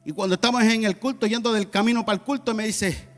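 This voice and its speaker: High-voiced pastor preaching. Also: male voice, steady tone, quick pace. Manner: impassioned, shifting from loud peaks to quiet asides. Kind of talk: sermon with personal testimony. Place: church sanctuary. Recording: long church hall reverb, faint music.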